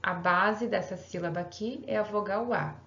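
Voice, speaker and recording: A woman's voice: medium pitch, normal speed, fairly bright tone. Patient woman teacher in a roomy room. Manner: patient, explains step by step, checks in with "ok?". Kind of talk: recorded online grammar lesson. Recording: roomy, slightly dull home recording.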